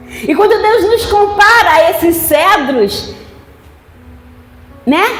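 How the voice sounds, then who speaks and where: With music in the background and audible room echo, a woman speaks at a very slow pace in an extremely high pitch. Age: 60s. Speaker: pastor. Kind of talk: sermon. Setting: church service with congregation.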